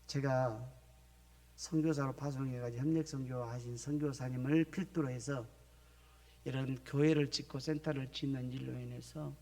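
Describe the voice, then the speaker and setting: A man's voice: mid-range voice, fairly even intonation, moderate pace, darkish tone. A middle-aged male missionary from the Jeolla region preaching in a church, telling his story with acted-out phone calls. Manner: storytelling, acting out phone calls in other voices. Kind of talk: sermon testimony. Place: church sanctuary.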